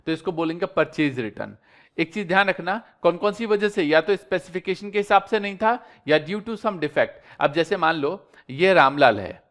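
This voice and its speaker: A man's voice: sits high, a bit bright. A man teacher giving an accounting lesson, asking questions and answering them himself, with English terms mixed in. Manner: repeats questions and has students answer; mixes English terms into his speech. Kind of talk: classroom lecture.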